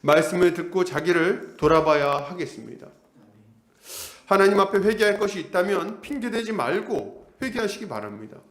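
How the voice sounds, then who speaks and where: A middle-aged male pastor preaching an expository sermon, animated and acting out the characters. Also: sits high, moderate pace, reverberant. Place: church hall.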